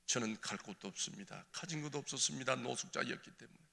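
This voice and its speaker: Church elder, gravelly and piercing, giving a tearful, impassioned testimony that swings from hushed to crying out, in a reverberant sanctuary. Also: male voice, mid-range voice, quick pace.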